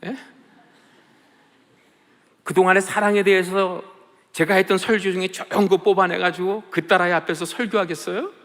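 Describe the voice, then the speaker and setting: A man preaching an emotional sermon, swinging between loud outbursts and hushed passages. His voice sits a little high for a man. A long reverb hangs on it, as in a large church hall. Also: fairly even intonation, moderate pace, long pauses. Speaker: pastor and missionary.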